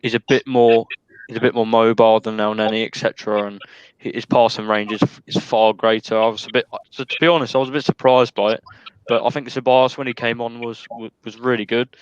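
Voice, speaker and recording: A man giving casual post-match analysis as a fan, in a measured, tentative way. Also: mid-range voice, little pitch movement, clean tone, dry recording, highs cut off. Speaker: football fan panellist.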